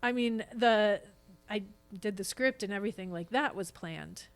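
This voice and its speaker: Female, American, medium pitch, earnest, expressive, casual podcast guest. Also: normal speed. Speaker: podcast guest, stage actress. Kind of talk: casual interview chat.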